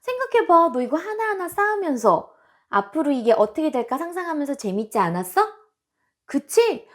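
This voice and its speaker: A woman voicing a calm mother who gently soothes and coaxes a crying child. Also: high voice, moderate pace, pitched above the performer's own voice. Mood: soothing. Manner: soft, patient, coaxing.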